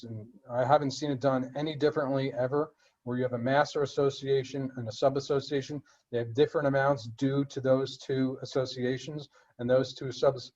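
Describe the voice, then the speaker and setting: A man answering board questions in a webinar, explaining legal steps in a measured way with frequent fillers and restarts. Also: medium pitch, darkish tone, dull audio. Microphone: web conference audio.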